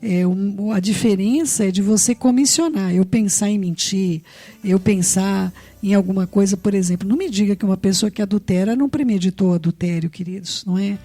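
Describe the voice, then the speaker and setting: A Brazilian woman with a Brazilian Portuguese accent preaching a sermon, earnest and warm toward her listeners, often checking in with rhetorical questions. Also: medium pitch, brisk, no echo. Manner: earnest, tags phrases with rhetorical questions, addresses listeners fondly.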